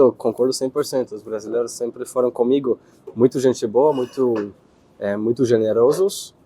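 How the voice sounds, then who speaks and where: A young man from Israel with an Israeli accent, answering interview questions in his second language, pausing and searching for words. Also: mid-range voice, mellow, no echo. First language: Hebrew. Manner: hesitant, searching for words, with restarts.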